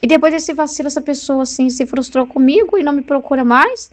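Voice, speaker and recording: A woman's voice: high-pitched, quick pace. A woman with a Brazilian Portuguese accent leading a Catholic study group. She teaches in an earnest, conversational way and often checks in with "né?". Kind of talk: spoken spiritual teaching.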